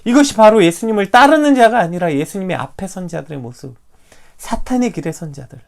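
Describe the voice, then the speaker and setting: A preacher giving a livestreamed morning devotional sermon, animated, asking the listeners questions and acting out quoted prayers. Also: mid-range voice, fairly quick, vocal fry.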